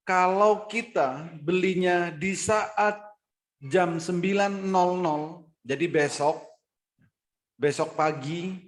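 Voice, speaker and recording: Male trading teacher on a video call, choppy and glitching audio, unhurried and measured. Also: high-pitched. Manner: measured and explanatory, repeating phrases with "ya" and "gitu". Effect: choppy audio breaking up over a poor internet connection. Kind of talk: online class lecture. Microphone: computer or phone mic on a video call.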